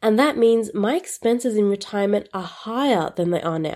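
A woman at medium pitch with an Australian accent and a dark, mellow tone, on a very clean recording with a silent background. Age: 20s. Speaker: podcast host, chartered accountant. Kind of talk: solo educational podcast.

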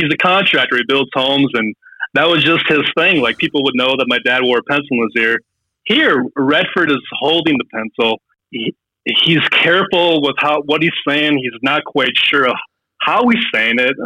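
At a moderate pace, a man talks in a fairly high pitch with ordinary variation. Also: very even loudness. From US Midwest, Fargo, North Dakota. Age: 40s. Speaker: film editor and video essayist. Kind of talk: casual chat.

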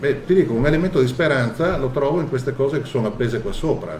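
A very fast, fairly high-pitched male voice over noticeable background noise. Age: 60s. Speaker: novelist. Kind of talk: live panel discussion. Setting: stage with audience.

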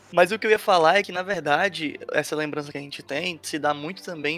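Against noticeable background noise, a man speaks at a very fast pace with ordinary pitch variation. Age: 20s. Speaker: games podcast host. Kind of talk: casual chat.

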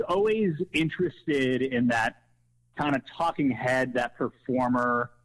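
This is a normal speaking voice with an American accent, moving at a fairly slow pace. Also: man. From US Midwest. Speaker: sports broadcaster. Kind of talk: casual interview chat.

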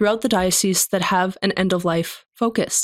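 A woman with a Canadian accent speaks at a medium pitch with fairly even intonation, in an unremarkable speaking voice. The recording is very clean, with a silent background. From Canada. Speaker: pro-life advocate. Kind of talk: interview. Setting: studio.

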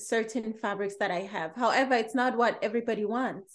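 Against a quiet background, a woman with a South African accent speaks at a fairly high pitch with fairly even intonation. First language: Sepedi. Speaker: small business owner. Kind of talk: interview.

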